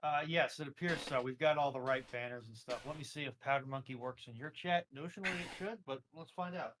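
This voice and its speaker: A man's voice: medium pitch, fast, a bit bright, slight background noise. A man chatting casually as a participant on a live stream, addressing viewers and technical matters. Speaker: live stream participant handling chat and tech.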